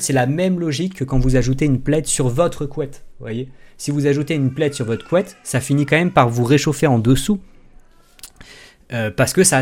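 A man giving a live-streamed science explanation, halting and restarting often, with an informal, self-mocking manner. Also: medium pitch, a little mellow. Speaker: science educator.

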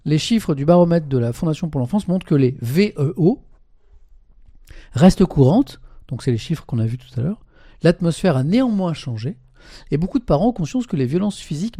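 A man's voice: a little high, dark tone, no echo, clean studio sound. A man hosting a casual live stream who reads article passages aloud and comments on them, often tagging his sentences with a conversational "hein".

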